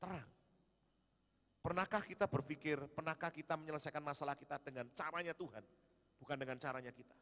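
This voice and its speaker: A man's voice: on the high side, fairly quick, fairly bright tone. A man preaching a sermon, calling out to the congregation in a rousing way. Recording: echoey hall.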